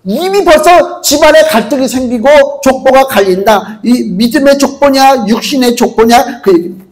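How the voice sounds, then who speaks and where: A male pastor preaching a conversational sermon in a church, asking the congregation rhetorical questions and reading scripture slowly. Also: very high-pitched, animated, rough recording. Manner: acts out quoted voices, reads scripture slowly. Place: church sanctuary.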